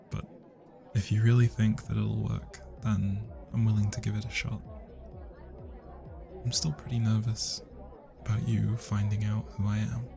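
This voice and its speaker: Shy, smitten British student, played by a man, low and gravelly, soft hesitant ASMR delivery with party music behind. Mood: tender, hopeful. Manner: soft, hesitant, breathy sighs and whispers. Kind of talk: intimate roleplay ASMR acting. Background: party music and crowd chatter.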